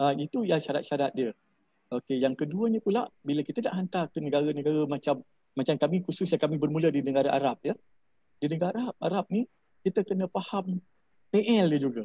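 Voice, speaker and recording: Against a quiet background with a dry sound and no echo, a man with a Malaysian accent talks fairly quickly in a dark, mellow, fairly high voice with lively intonation. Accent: Malaysian Malay. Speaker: food company managing director. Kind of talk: panel discussion. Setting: video call. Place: home room. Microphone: earbuds.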